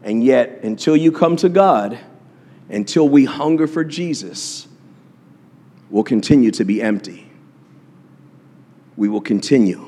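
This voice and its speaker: A man's voice: medium pitch, lively intonation, a little slow, long pauses, mellow, big-room sound. A man preaching a sermon in a church, impassioned and repetitive, with frequent fillers and restarts. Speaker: pastor.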